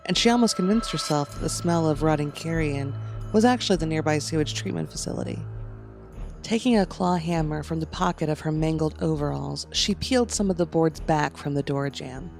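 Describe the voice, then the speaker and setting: A man's voice: fairly high pitch, creaky, a little mellow. A man reading a third-person horror story as scripted narration. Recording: music under the voice.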